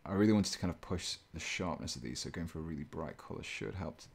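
Low-voiced laid-back man. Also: quick pace, gravelly. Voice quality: low, fairly monotone voice. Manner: relaxed, chatty, chuckles often, reads chat aloud. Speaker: miniature painting streamer. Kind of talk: casual live stream chat while painting. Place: indoors at a painting desk.

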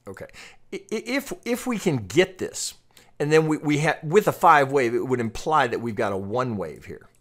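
A man with a mid-pitched voice talks through charts as an analyst and coach. His delivery is unscripted and explanatory, like a tutorial. He often doubles back, repeating or restarting phrases as he works through each point. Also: big pitch swings, moderate pace.

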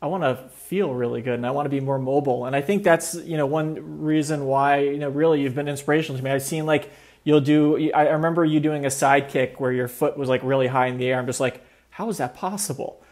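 Brief: chatty male host in his thirties, slightly high voice, earbud mic on a call. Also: steady tone, quick pace, darkish tone. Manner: eager, chatty, many fillers. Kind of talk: casual interview talk. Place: indoor room. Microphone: wired earbuds on a video call.

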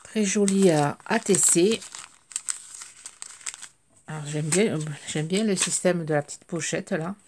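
A middle-aged woman, slightly hoarse, chatting hesitantly with many fillers as she opens craft mail at home. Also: on the low side, a little slow, pauses often, a little mellow, slight background noise. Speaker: craft vlogger. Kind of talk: casual chat while unboxing mail. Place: craft table indoors, home.

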